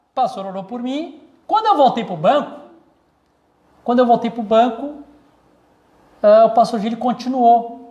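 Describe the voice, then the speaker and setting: A male pastor tells a story from the pulpit in a fairly high voice. He circles back, restarts phrases and repeats key words as he preaches. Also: a little mellow. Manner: storytelling, many repetitions and restarts. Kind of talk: sermon testimony.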